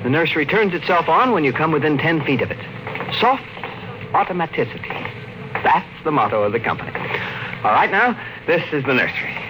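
An actor playing an enthusiastic company agent giving formal, emphatic sales patter in a 1950s radio drama. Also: male voice, on the high side, very animated, brisk. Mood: sales enthusiasm. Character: enthusiastic smooth-selling company installation agent, adult man. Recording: noisy, echoing 1950s radio broadcast.

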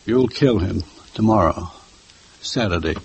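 A man's voice: lowish voice, unhurried, gravelly, over loud music, low-quality recording. Older male jeweler, fussy, courteous, stammering, for 1950s radio. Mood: grim, vengeful. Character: old male jeweler, polite, fussy, quietly vengeful. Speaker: jeweler, murdered girl's father. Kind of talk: 1950s radio drama acting.

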